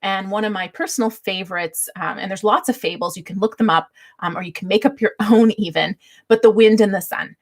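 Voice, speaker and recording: A middle-aged woman with a slightly husky voice, hosting a casual livestream and teaching in a chatty, light-hearted way. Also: medium pitch, brisk. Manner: chatty, laughs readily as she talks. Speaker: livestream host giving book-writing tips. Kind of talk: casual livestream teaching talk with chat replies.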